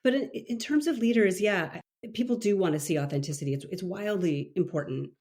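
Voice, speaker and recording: Low-voiced woman coach, reflective. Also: a little fast, darkish tone. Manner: thoughtful, reflective, with many fillers and restarts. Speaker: leadership coach, guest. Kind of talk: casual interview chat.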